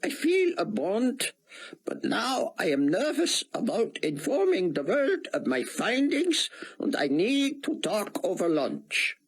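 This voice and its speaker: A man doing a gentle, heavily accented rabbi. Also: high voice, huge pitch swings, slow pace, breathy edge, pitched above the performer's own voice, heavily acted, low-quality recording. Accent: Hebrew.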